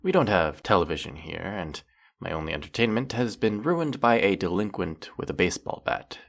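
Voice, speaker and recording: A man's voice: low-pitched, animated, normal speed, gravelly, full character voice. A man playing a teasing, sarcastic, flirtatious male faerie in a scripted roleplay monologue, scolding the listener with dry, theatrical playfulness. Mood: scolding, playful.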